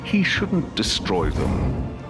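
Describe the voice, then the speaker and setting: A man's voice: lowish voice, wildly swooping pitch, slow pace, exaggerated voice. A man playing a pompous, grandiose conqueror villain in a video game cutscene. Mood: scornful, smug. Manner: grandiose, theatrical. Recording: loud music over dialogue.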